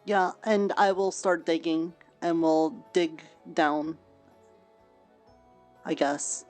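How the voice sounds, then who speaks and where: A woman's voice: lowish voice, fairly even intonation, takes it slowly, a little mellow, faint music behind. A woman playing a roleplay character, talking casually and hesitantly with many fillers. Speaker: roleplay player.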